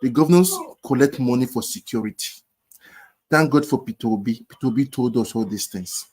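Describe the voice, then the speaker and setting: A man's voice: medium pitch, a little fast, darkish tone, breathy edge. A man with a Nigerian accent, arguing emphatically in a casual debate over a video call, repeating himself and mixing in pidgin. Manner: repetitive, emphatic, mixes in pidgin. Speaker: discussion participant.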